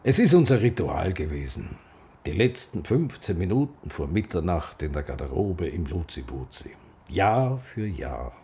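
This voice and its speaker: A man's voice: deep voice, sing-song, moderate pace, dark tone. An actor playing an embittered older Viennese gay man reminiscing in a naturalistic radio drama, speaking emphatically. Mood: resigned.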